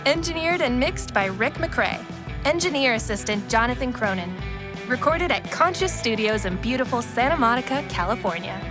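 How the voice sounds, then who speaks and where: A woman's voice: on the high side, expressive, moderate pace. A woman narrator delivering scripted narration and commentary for an audio drama. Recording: music behind the voice.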